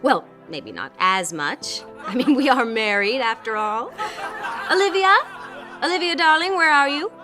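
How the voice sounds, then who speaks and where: Rich vain hostess, highish voice, very animated, affected and effervescent, period audio drama, music behind. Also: female voice, measured pace, a faint crowd, full character voice. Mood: effusive welcome. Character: effusive, vain, wealthy 1950s society hostess.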